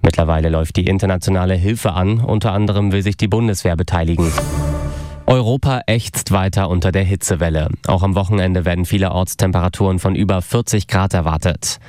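A man reading the radio news in an even, measured way. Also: sits low, faint music behind. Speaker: newsreader.

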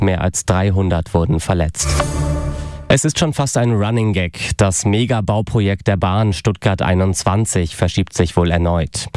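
A man reading the news on a regional radio station in a measured, even way. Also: low-pitched, no room sound, studio quality. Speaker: newsreader.

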